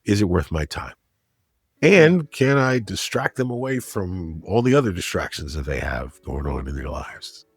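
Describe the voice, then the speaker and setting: A man's voice: low-pitched, sing-song, normal speed, husky, dry recording. A man being interviewed as a guest, explaining his advice conversationally with examples and rhetorical questions. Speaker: guest, media critic and broadcaster.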